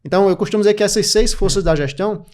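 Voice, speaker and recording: A Brazilian man in his thirties, a podcast guest, explaining career habits in quick, clipped lists with lots of energy. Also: sits high, a little mellow. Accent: Brazilian Portuguese. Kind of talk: didactic interview talk.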